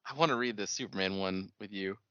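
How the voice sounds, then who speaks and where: A man's voice: sits low, fast, sharp tone, clean tone, no room sound, highs cut off. A man co-hosting a podcast, talking in casual chat. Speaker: podcast co-host.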